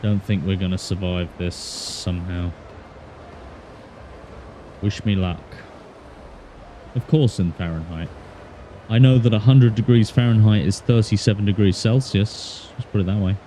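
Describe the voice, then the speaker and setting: A man with a west of Ireland accent chats through a game livestream in a fairly low, soft-edged voice. He thinks aloud in an easygoing, wry manner. There is a faint layer of noise behind him. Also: measured pace, long pauses. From Galway, west of Ireland. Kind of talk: casual chat and gameplay commentary.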